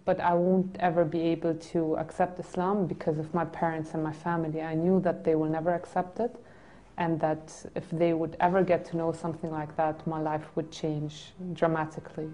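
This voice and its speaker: A woman in her twenties from a Greek family in Germany, calmly recounting her own story in a seated studio interview. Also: on the low side. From Greek family, born in Germany. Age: 20s. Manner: reflective, soft, with frequent restarts. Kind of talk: personal testimony interview. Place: indoor studio set with red curtains.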